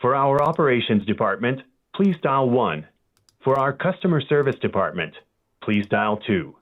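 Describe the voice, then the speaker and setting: A man's recorded phone menu greeting, read as formal, polite prompts in a measured announcer delivery, heard over a phone line. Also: mid-range voice, very animated. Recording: tinny phone line on speakerphone, distant.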